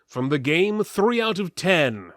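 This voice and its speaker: Theatrical man narrating with very animated intonation. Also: high voice, takes it slowly, no echo, studio quality. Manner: mock-epic, theatrical. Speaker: narrator, reader. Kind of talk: dramatic fantasy audiobook narration.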